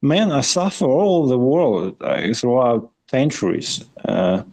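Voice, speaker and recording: A man with a soft-edged, mellow voice at an average male pitch co-hosts a podcast. He talks casually and rambles, hesitating often and repeating words as he feels his way through each thought. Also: sing-song, slow pace. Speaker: podcast co-host.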